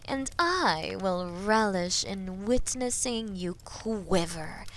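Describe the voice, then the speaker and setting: A woman playing a haughty, taunting female dragon in a fantasy audio drama, speaking deliberately and often dropping into breathy whispers. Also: mid-range voice, animated, slight background noise, low-quality recording. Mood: menacing, patient. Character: haughty, menacing female dragon toying with captive knight. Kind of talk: slow, theatrical roleplay monologue in medieval fantasy audio drama.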